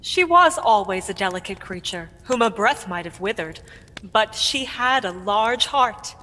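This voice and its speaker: A woman voicing a solemn guiding spirit in a radio play, measured and formal, in a long reverb. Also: mid-range voice, animated, bright, forceful tone. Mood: gently reproving. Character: Ghost of Christmas Past, solemn guiding spirit. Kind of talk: dramatic radio play acting. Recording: long cavernous reverb, faint background noise.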